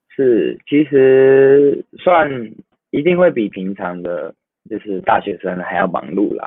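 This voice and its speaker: A man is speaking. His pace is very slow. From Taiwan. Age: 20s. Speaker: university baseball player. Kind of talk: interview. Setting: online call.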